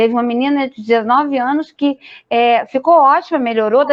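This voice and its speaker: This woman speaks with a high pitch. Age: 60s. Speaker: psychologist. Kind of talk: live-stream interview. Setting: live stream. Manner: halting.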